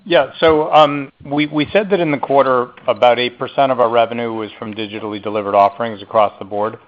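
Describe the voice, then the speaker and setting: A man executive answering analyst questions on an earnings call, measured and emphatic on key points. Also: medium pitch, fairly even intonation. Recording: muffled conference call audio.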